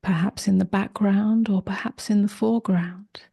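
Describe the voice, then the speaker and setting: A woman leading a guided meditation, speaking softly in short phrases with long pauses, gentle and often close to a whisper. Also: medium pitch, steady tone. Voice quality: soft, breathy, husky, often near a whisper. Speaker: meditation teacher.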